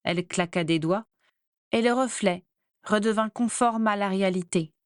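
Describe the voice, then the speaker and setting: A woman reading a fantasy story aloud as narrator, measured and clear. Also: medium pitch, no echo, clean studio sound. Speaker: audiobook narrator. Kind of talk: scripted narration.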